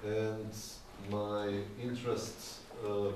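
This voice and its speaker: Noticeable background noise and audible room echo surround a man whose fairly low voice stays monotone and flat. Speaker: workshop leader. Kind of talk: workshop facilitation. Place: meeting room. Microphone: camera far.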